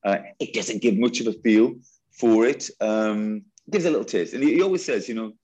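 A man from northeast England with a Geordie accent, a teacher talking animatedly in an interview, jokey and quick to repeat himself. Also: fairly low pitch, rough recording. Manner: lively, jokey, repeats words.

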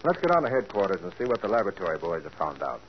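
A calm, shrewd private detective in a 1940s radio drama. His voice sits low but moves a lot as he reasons things out steadily. The sound is a dull old broadcast with a faint hiss. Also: very fast.

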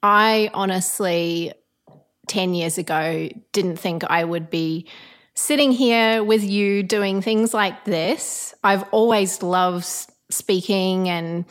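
A woman's voice: mid-range voice, slow pace. A woman in her late thirties from New Zealand with a blended New Zealand and Australian accent, a guest chatting casually and reflectively in a home kitchen, laughing often. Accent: New Zealand, with some Australian. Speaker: guest, architect turned business coach. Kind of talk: casual interview chat.

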